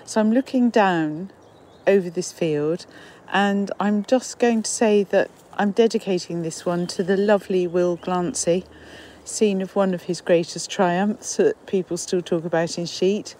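A woman's voice: lowish voice, measured pace, a little mellow. A woman from Portsmouth narrating a walk outdoors in the rain, wry and digressive. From Portsmouth, England. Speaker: nature walk presenter. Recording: faint rain and outdoor noise.

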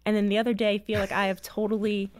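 A woman in her thirties speaks as an interview guest, telling family stories with an earnest, heartfelt manner. Her voice sits at a middle pitch and sounds dry and close. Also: level tone, quick pace, no room sound. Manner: earnest storytelling, emotional at times. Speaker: guest, author and mother. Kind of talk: interview conversation.

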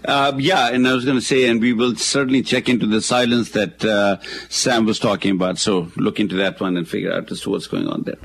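A man's voice: fairly low pitch, steady tone, brisk, vocal fry, husky. A man with a South Asian accent talking conversationally as a legal expert on a radio call-in show, often repeating words as he explains.

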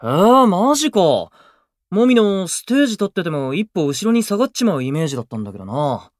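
An actor playing a brash, cocky young male idol in a Japanese voice drama, with blunt, swaggering, rough speech. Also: high-pitched, big pitch swings, fairly quick, dry recording, studio quality. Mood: easygoing, surprised. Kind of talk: Japanese anime-style voice drama acting.

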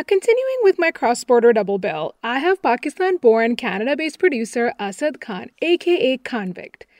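Woman radio host, high bright voice, dry close studio sound, lively introducing tone. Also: no room sound. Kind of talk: scripted radio presenting.

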